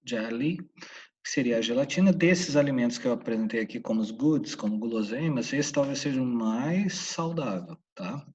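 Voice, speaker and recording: A Brazilian man from Santa Catarina with a husky voice teaches a casual English class. He pauses and repeats each English word slowly. His voice sits at a middle pitch and comes through a dull, distant mic. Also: expressive, darkish tone. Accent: Brazilian Portuguese, Santa Catarina.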